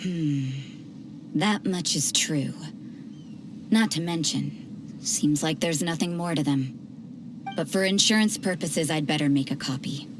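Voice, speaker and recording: A woman's voice: low-pitched, unhurried, long pauses, noisy background. A woman voicing a stern, cool-headed female officer who speaks in a dry, authoritative way in game voice acting. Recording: game audio with clear music behind.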